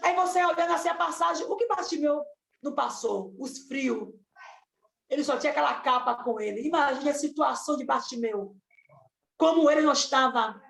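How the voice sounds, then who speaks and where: Brief: high-pitched woman preacher, fervent and insistent, in an echoey room. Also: fairly quick, gravelly, fairly bright tone. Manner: fervent, repetitive exhortation with rising cries. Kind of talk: Pentecostal-style sermon on a live stream. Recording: echoey room with faint noise.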